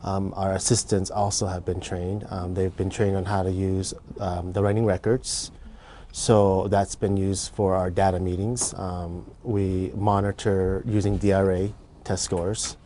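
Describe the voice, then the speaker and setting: Low-voiced halting school administrator man. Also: flat delivery, warm tone, a little hiss or hum. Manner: halting, many fillers. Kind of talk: interview answer.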